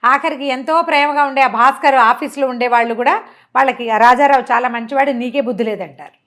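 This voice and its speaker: A woman storyteller retelling a story in a conversational, expressive way, mixing in some English words. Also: high voice, a little fast. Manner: expressive, acts out characters' dialogue.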